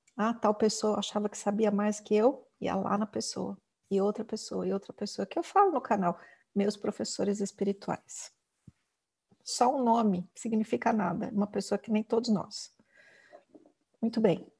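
A woman's fairly high, somewhat breathy voice with a dark, mellow tone, fairly even intonation and a moderate pace, broken by long, frequent pauses, in a dry, close sound with no echo. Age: 40s. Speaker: spiritual teacher. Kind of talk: live Q&A talk. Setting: livestream. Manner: informal, conversational.

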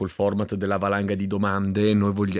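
The recording is very clean, with a silent background. The intonation is monotone and flat. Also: man. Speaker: podcast co-host. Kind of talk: casual chat.

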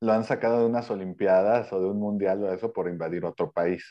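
A man's plain, everyday voice, fairly low in pitch with ordinary pitch variation, over a quiet background. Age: 30s. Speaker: podcast co-host. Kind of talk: casual chat.

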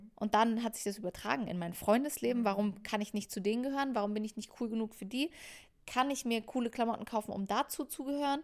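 Recorded very cleanly against a silent background, a woman talks at a very fast pace with a fairly high pitch. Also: ordinary pitch variation. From Germany, rural village. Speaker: singer-songwriter. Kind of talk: casual interview chat.

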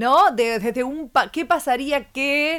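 A woman speaks at a very slow pace. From Argentina, Buenos Aires area (Martínez). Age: 40s. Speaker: film director and producer. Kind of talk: interview. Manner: halting, many fillers and repetitions.

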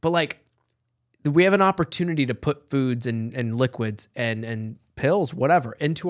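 Recorded very cleanly against a silent background, a man speaks in a normal speaking voice at a medium pitch and a moderate pace, with ordinary pitch variation. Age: 20s. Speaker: podcast co-host. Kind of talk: casual chat. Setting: studio.

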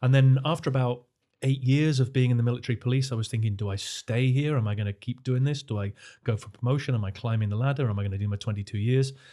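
In a Scottish accent, a man talks at a very fast pace with fairly even intonation and a dark, mellow tone, on a very clean recording with a silent background. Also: medium pitch for a man. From Scottish Highlands. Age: 50s. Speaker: accessibility entrepreneur. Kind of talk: podcast interview.

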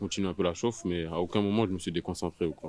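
Words pour out of this man at a very fast pace. The pitch is very deep and low. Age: 20s. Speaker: MMA fighter. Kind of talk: interview. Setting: gym beside the dojo.

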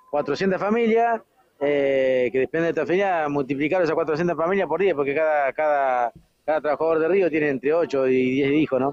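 At a moderate pace, a man with fairly high pitch speaks with ordinary pitch variation and very even loudness. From Argentina, Santa Fe province. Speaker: fishing cooperative president. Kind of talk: street interview. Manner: halting, many repetitions.

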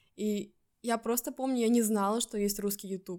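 Using a plain, everyday voice, a woman speaks at a fairly high pitch and a moderate pace with fairly even intonation, on a very clean recording with a silent background. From Estonia, Russian-speaking family, small town. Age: 20s. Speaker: podcast co-host, translator. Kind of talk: casual chat.

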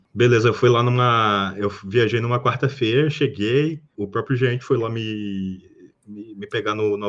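At a fairly slow pace, a man speaks with fairly even intonation against a quiet background. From Brazil, Petrópolis, Rio de Janeiro state. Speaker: cloud engineer. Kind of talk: casual interview chat. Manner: halting, many repetitions.

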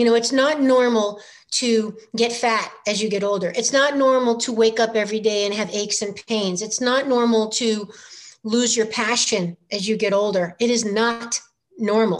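This woman has a normal speaking voice with an American accent, pitched fairly high. Her intonation is fairly even at a moderate pace. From Massachusetts, north of Boston. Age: 50s. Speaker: fitness and wellness coach. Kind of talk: casual interview chat.

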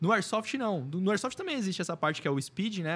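The speech races at a very fast pace while the pitch swings very widely. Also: man. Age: 40s. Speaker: firearms and airsoft instructor. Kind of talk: casual chat.

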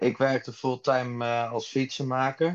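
A man talks fairly slowly, his medium-pitched voice held in a monotone, flat intonation. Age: 20s. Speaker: former bicycle repair shop owner. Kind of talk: casual conversation. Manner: halting, some stammering.

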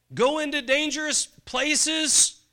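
A man speaks in a raised, projected voice, his tone bright, sharp and animated. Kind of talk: sermon. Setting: church. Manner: animated, emphatic preacher's cadence, repeating phrases and pressing points with "Amen?"; rhythmic and repetitive, building each point by hammering the same phrase.

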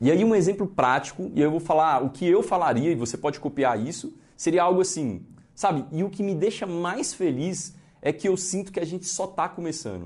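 Against a quiet background, a man with a high pitch and ordinary pitch variation talks at a fairly quick pace. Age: 20s. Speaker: network marketing trainer / YouTuber. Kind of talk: tutorial.

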